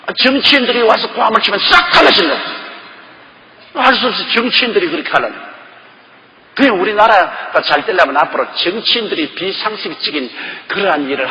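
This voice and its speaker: Older pastor w/ preaching hard, lots of rhetorical questions, echoey church hall. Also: male voice, on the high side, sharp tone, lo-fi sound, a little hiss or hum. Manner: emphatic, repeats key phrases, fires rhetorical questions. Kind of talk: sermon.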